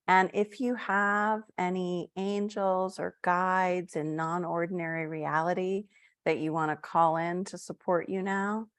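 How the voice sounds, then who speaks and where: A woman with a lowish voice leads a guided meditation at an unhurried, very slow pace. Her tone is soft and gentle, with long drawn-out phrases. The sound is dry and close, with no room echo. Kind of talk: live-streamed guided meditation.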